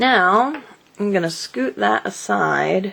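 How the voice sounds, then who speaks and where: Noticeable background noise fills the clip. A soft-spoken woman talks over it. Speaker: henna artist. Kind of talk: tutorial. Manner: casual, with filler ums.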